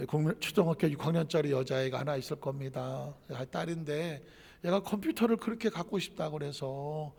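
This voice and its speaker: A man preaching a sermon as pastor, with dramatic swings from quiet asides to loud shouted lines. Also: on the high side, fairly quick, creaky, big-room sound.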